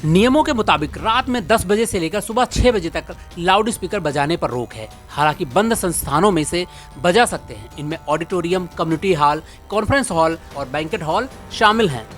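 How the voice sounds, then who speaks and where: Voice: medium pitch, lively intonation, moderate pace, fairly bright tone. An Indian news presenter reading a scripted explainer narration. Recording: music bed under the voice. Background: background music.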